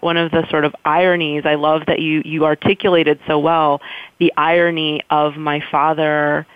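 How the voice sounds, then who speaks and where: A woman's voice: low voice, clean tone, no echo. An American woman, an author guest, answering interview questions in a thoughtful, searching way with many restarts. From United States. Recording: dry tinny phone line.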